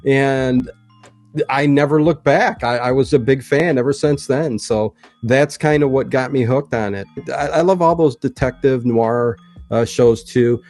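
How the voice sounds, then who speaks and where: A man's voice: mid-range voice, measured pace, a little mellow, faint music behind. A man who makes an online show, chatting casually and earnestly. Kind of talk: casual chat.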